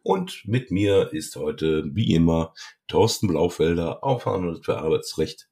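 A middle-aged man with a raspy, gravelly smoker's rasp, hosting a podcast in casual talk. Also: deep voice, very animated, a little slow, dark tone. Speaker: podcast host, lawyer.

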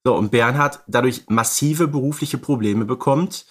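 A man's voice: medium pitch, moderate pace, breathy edge. A man co-hosting a podcast, casually analysing films and recapping their stories. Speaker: podcast co-host.

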